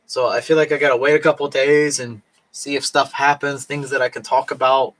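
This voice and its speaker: A drunk man talking on a late-night live stream from home in Japan, rambling and halting, with lots of fillers and restarts and a voice that is starting to go hoarse. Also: medium pitch, level tone, a bit bright, rough recording. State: voice going hoarse.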